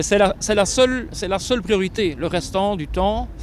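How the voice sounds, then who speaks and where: A man speaks through noticeable background noise. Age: 60s. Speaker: founder of a charity for homeless people. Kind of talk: interview. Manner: halting, many hesitations.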